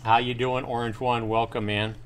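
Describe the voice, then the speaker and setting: A man's voice: mid-range voice, level tone, moderate pace. A man hosting a casual livestream, reading and recapping a story game, with background noise. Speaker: livestream host.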